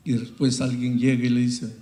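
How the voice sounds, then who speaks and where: A male pastor preaching a sermon, dramatic and storytelling, swinging between loud peaks and hushed passages. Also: medium pitch, level tone, moderate pace, roomy sound.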